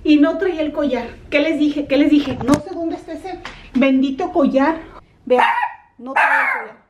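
A woman's voice: sits high, normal speed, recorded from a distance, muffled recording, noisy background. A middle-aged woman, chatting casually in a home vlog and slipping in English words. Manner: chatty, animated storytelling mixing in English words. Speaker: vlogger. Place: her home, kitchen and yard.

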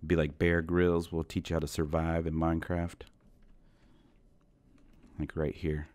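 Man, very low voice, hoarse from a cold, casual rambling game commentary, dry room, keyboard clicks behind. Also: flat delivery, measured pace, a little mellow, no echo. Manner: rambling, self-deprecating, talks to viewers. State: sick, voice going hoarse. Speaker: gaming channel host. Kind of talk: casual Minecraft let's play commentary.

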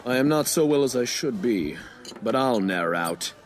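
A man's voice: medium pitch, expressive, moderate pace, faint music behind, close to an everyday voice. An actor playing a tipsy, gullible, amiable Roman nobleman in a Shakespearean audio drama, speaking with drunken earnestness. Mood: drunkenly earnest.

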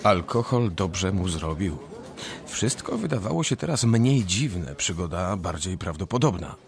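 Lowish, animated male narrator. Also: unhurried, creaky. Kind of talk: scripted narration of a radio drama.

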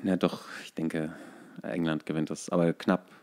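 A man's voice: rumbling low, level tone, normal speed, a little mellow, slight background noise. A man chatting casually about football as a podcast co-host, often searching for his words.

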